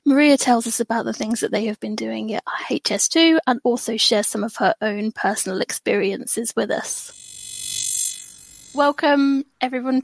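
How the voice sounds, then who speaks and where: English woman, podcast host, upbeat, laughs often, fairly high voice, dry sound. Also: creaky, dry recording, poor audio. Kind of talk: scripted intro then interview chat.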